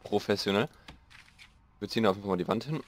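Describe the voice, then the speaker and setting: A young man with a slightly hoarse voice, rambling casually through gameplay commentary and mocking himself as he goes. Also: lowish voice, fast. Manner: rambling, self-mocking, thinking aloud. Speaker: let's play host.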